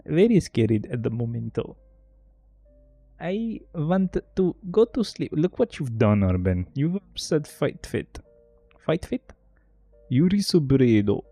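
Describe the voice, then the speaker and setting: A man's voice: medium pitch, dark tone, no echo. A man live-streaming a game, chatting casually with his viewers, joking and rambling and laughing at his own bits.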